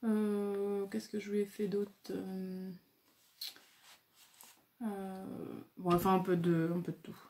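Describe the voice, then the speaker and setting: A woman's voice: medium pitch, flat delivery, takes it slowly, pauses often, dark tone. A woman vlogger casually showing crafts she received by mail, talking hesitantly with many fillers and stumbling over her words.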